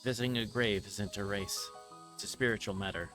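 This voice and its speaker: Low-voiced man reading over game music. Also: fairly even intonation, a little fast. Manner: stumbles over words while reading. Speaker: livestreamer reading a visual novel aloud. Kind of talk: reading narration aloud. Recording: music playing behind the voice.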